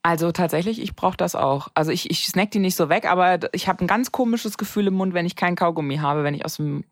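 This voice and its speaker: A woman's voice: lowish voice, fast, dry recording, studio quality. A woman co-hosting a podcast in casual, slangy chat. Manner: colloquial, peppered with English slang. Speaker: podcast co-host.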